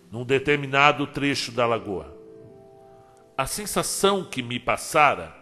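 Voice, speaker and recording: A man reading a short story aloud as narrator, dramatic and emotional, with long pauses. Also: on the high side. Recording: long hall reverb, soft music behind. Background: soft background music.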